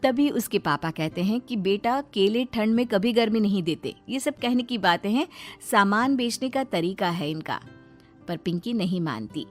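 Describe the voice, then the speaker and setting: A woman narrates a storybook cartoon with soft, steady storytelling. Her pitch sits in a middle range. Faint music plays beneath her. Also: moderate pace.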